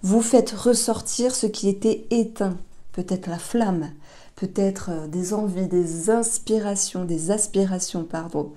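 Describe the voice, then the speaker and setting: A woman giving a tarot reading, talking gently and unhurriedly with fillers and self-corrections. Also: medium pitch, measured pace. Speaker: tarot reader.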